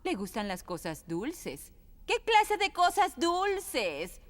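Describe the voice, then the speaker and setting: A woman's voice: sits high, huge pitch swings, takes it slowly, exaggerated voice. A woman voicing a bossy, overconfident fairy nanny in a children's cartoon, with a Latin American Spanish accent and a fussy, theatrical delivery. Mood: confident, showy. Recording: music behind the voice.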